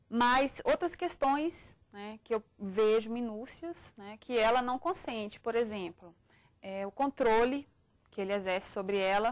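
Fairly slow speech with lively intonation over a quiet background. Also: woman. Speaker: public prosecutor. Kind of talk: interview. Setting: studio in a library. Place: studio. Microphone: lapel.

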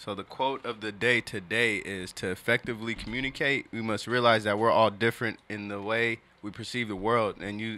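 Speaking very fast at a medium pitch, a man uses fairly even intonation and a bright, sharp tone in a dry sound with no echo. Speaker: podcast co-host and DJ. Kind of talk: casual chat. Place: studio. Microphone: studio mic.

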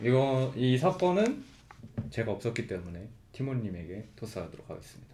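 Over light background noise, a somewhat breathy man talks at a moderate pace with lively intonation. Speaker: show host. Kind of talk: casual chat. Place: meeting room. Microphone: studio mic.

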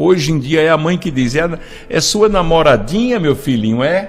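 A man's fairly high voice with lively intonation. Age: 60s. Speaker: pastor. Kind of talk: sermon. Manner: animated. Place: studio. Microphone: studio mic.

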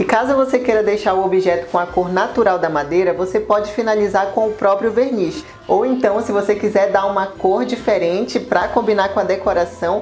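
Female speaker at a fairly quick pace with hardly any pauses and ordinary pitch variation, faint music in the background. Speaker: DIY crafts creator. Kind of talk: tutorial. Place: home room.

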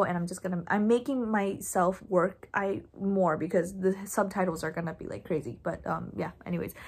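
Her voice is somewhat breathy. The woman talks at a fairly quick pace with fairly even intonation. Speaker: vlogger. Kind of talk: casual vlog chat. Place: home room. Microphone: phone near.

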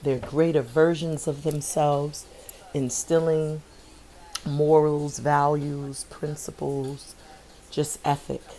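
A woman's very deep, low voice, very slow and flat in a monotone, with noticeable background noise. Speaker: tarot reader. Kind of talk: tarot reading, casual talk to audience.

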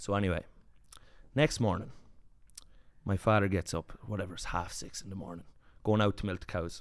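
Against a quiet background, a man with an Irish accent speaks at a fairly quick pace in a fairly low pitch, with long, frequent pauses and big swings in loudness. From Ireland, Kilkenny. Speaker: comedian. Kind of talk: casual chat. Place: studio. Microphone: studio mic.

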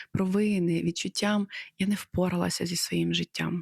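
In a very clean recording with a silent background, a woman talks. Her pace is moderate. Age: 30s. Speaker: clinical psychologist. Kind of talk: self-presentation video.

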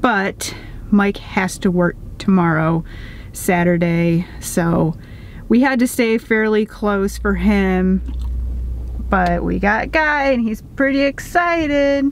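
A woman speaks very slowly, with long, frequent pauses. The sound is dry with no echo, and there is light background noise. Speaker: RV vlogger. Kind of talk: casual vlog chat. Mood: relaxed, mildly upbeat. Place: car. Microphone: phone near.

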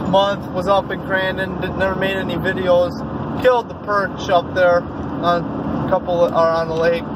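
Amid loud background noise, a man talks at a moderate pace in a dry sound with no echo. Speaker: hobby vlogger. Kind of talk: casual vlog chat. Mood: relaxed, briefly startled. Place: car. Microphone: phone near.

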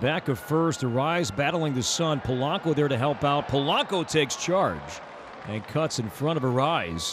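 Noticeable background noise under a man's fairly high voice. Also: ordinary pitch variation, moderate pace. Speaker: baseball color commentator. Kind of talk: live sports commentary with stats and background. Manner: steady, informative, conversational.

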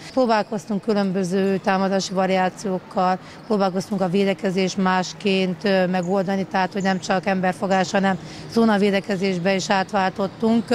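Over light background noise, a woman speaks at a moderate pace with a monotone, flat intonation and very even loudness. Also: dry sound with no echo. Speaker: basketball coach. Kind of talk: interview. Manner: halting.

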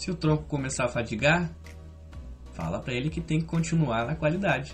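A man talks at a moderate pace over faint music in the background. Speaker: fitness instructor. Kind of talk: exercise class instruction. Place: garden. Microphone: camera far.

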